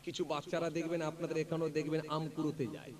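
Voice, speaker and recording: A man preaching a sermon, telling a folk story with lively voices for each character and often checking whether the listeners follow. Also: a little high, very fast. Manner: animated storyteller acting out characters, often asking the crowd if they follow. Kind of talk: sermon storytelling at a religious gathering.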